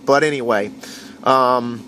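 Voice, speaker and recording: A man's voice: mid-range voice, takes it slowly, sharp tone, slight background noise. An American man casually recounting an incident to camera in a rambling, indignant rant full of fillers. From USA.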